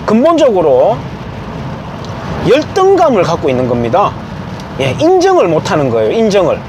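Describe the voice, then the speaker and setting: Against a noisy background, a man from Gyeongju, South Korea, speaks as a commentator in an emphatic, informal opinion monologue. His high-pitched voice swoops wildly as he acts out quoted remarks, keeping a moderate pace.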